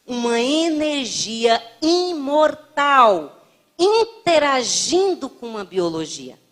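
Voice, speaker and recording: A woman lectures at a spiritist center in a slow, unhurried delivery. Her voice sits fairly high, and she tells playful anecdotes, acting out the people she quotes.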